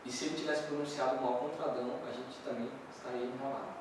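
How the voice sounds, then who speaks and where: A man's voice: medium pitch, fairly even intonation, racing, background noise. A male pastor preaching a sermon, repeating key points and asking the congregation rhetorical questions. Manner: repetitive, with many rhetorical questions. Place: large echoey church hall. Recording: very echoey hall, voice heard from far off.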